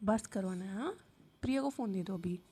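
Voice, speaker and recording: A woman storyteller playing a strict professor who gives short, firm orders. Her voice is dark and mellow, a little breathy, and set fairly high. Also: a little fast. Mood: stern. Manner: stern, clipped commands.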